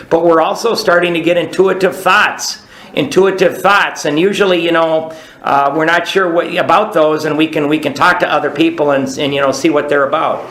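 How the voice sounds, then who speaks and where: A man shares his recovery story in a rambling, casual way, full of restarts, with a regular "right?" to his listeners. His voice sits a little high and sounds bright and ringing. The room gives it a roomy echo. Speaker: recovery speaker. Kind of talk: recovery talk.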